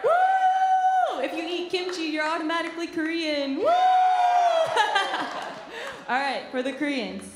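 A woman's voice: very high-pitched, big pitch swings, unhurried, pauses often. A woman leading worship, calling out to the congregation playfully and laughing between lines. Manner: playful, laughing, calls out to the crowd. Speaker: worship leader. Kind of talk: hyping up a church crowd. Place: large church hall with stage. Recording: echoey hall with crowd noise. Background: congregation and band.

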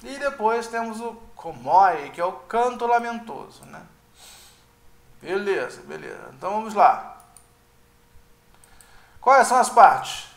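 A man's voice: sits high, big pitch swings, measured pace, vocal fry, long pauses, echoey room. A man teaching an informal online lesson, hedging and tagging his sentences with questions, and thinking aloud with restarts. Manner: informal, hedging, frequent "né?" tags. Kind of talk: casual online lecture.

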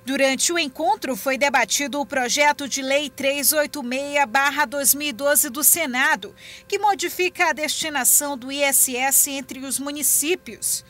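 A woman's voice: sits high, moderate pace, a bit bright. A woman reporter narrating a news story in a formal scripted read.

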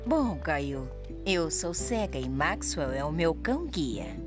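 A woman with a Brazilian accent playing a gentle, patient grown woman explaining things to a child in a cartoon dub. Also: low-pitched, sing-song, takes it slowly, exaggerated voice. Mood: kind, patient. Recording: music behind the voice.

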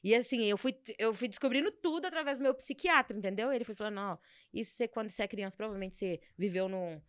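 A woman's voice: mid-range voice, quick pace, clean tone, dry recording, studio quality. A young woman talking as a podcast guest, telling stories animatedly and acting out the voices of people she quotes. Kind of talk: casual podcast conversation.

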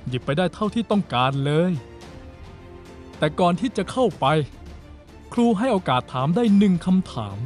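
A man's voice: sits high, sing-song, normal speed, pauses often, soft background music. An actor playing a commanding, showy male teacher of a mystic guild in a motion-comic drama. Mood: rousing, commanding.

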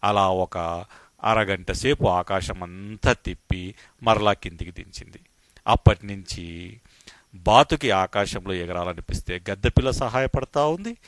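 A man narrating a children's moral story as an expressive storyteller with swooping emphasis. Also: low-pitched, unhurried, no echo.

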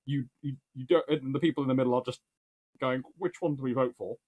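A man's voice: medium pitch, fairly even intonation, quick pace, phone-quality sound. A British man in his thirties, talking casually about history and politics in a small study, rambling with many restarts. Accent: British English. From United Kingdom. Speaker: naval historian answering viewer questions. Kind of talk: casual explanatory talk. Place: small study lined with bookshelves, indoors. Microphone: webcam-style framing at desk.

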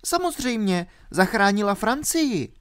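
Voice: mid-range voice, sing-song, fairly bright tone, clear, resonant tone, pitched above the performer's own voice. A reader voicing a ten-year-old girl, bold and determined, speaking eagerly and insistently in a storybook reading.

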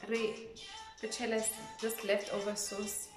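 Young south african woman chatting casually, unhurried, echoey room w music behind. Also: medium pitch, little pitch movement. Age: young adult. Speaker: vlogger hosting an eating challenge. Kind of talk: casual chat. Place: small living room, indoors. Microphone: camera a short distance away.

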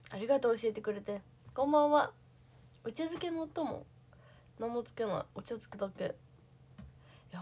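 A woman's voice: fairly high pitch, darkish tone, husky. A young woman, an idol, chatting casually on a livestream, answering viewer comments and thinking aloud with lots of fillers.

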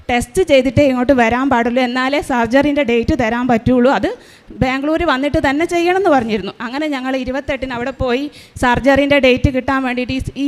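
A mother giving an earnest, tearful church testimony, retelling her story with slow pauses. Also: high-pitched. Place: large shrine hall. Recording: long reverb of a large hall.

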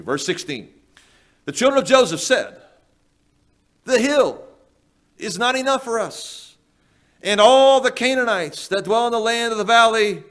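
A male pastor preaching a sermon in a church, folksy and emphatic, firing rhetorical questions at the congregation. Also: mid-range voice. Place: church sanctuary.

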